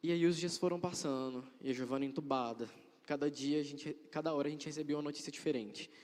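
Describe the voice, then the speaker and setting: Young guy w/ doing a church testimony, kinda high voice, lots of hall echo. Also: fairly even intonation, fast talker, a little mellow. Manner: earnest, repeats phrases for emphasis. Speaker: church member giving testimony. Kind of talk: religious testimony. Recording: long hall reverb.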